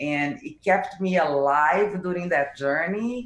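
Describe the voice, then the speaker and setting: A woman with a Brazilian Portuguese accent speaks with ordinary pitch variation. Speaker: crypto content creator. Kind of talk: interview.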